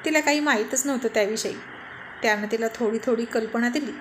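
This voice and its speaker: Brief: female narrator, fairly high voice, steady story reading, faint hiss. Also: quick pace, poor audio. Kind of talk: narrating a serialized romance story.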